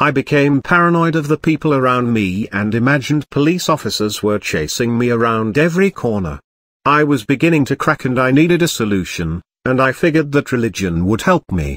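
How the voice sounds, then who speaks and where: This man has a normal speaking voice at a medium pitch, with lively intonation, very even loudness and a fairly quick pace, captured on a very clean recording with a silent background. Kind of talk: first-person conversion story narration.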